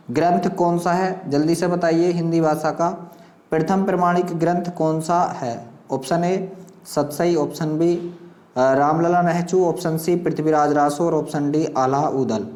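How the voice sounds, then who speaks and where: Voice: medium pitch, darkish tone. A teacher explains a practice quiz, reading out questions and options and addressing learners directly with repeated instructional phrases. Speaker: exam coaching teacher. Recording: echoey room sound.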